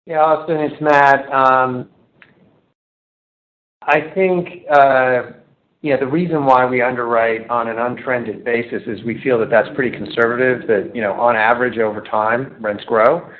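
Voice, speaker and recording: A man's voice: medium pitch, steady tone, a little slow. A male executive patiently working through an analyst's question on a quarterly conference call, sound a little muffled. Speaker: company executive answering analysts. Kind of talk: unscripted corporate earnings-call answers. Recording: slightly dull, lo-fi conference audio.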